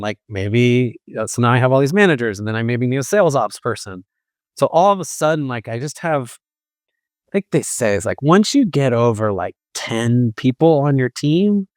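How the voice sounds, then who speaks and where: A man with a mid-pitched voice talks casually as an experienced sales executive in an interview. He is informal and emphatic, slipping into quoted remarks to make points. The sound is dry, with very little room echo. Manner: informal, emphatic, often quotes imagined dialogue. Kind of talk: casual conversational interview answers.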